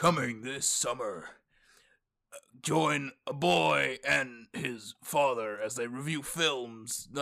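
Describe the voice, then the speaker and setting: A man's raspy, put-on character voice at medium pitch, delivered at a very slow pace. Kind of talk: dramatic announcer.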